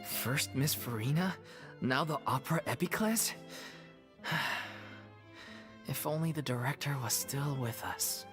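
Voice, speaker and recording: A woman's voice: extremely low pitch, a little slow, over music. A woman voicing a worried, downcast member of a theater troupe in an anime video game.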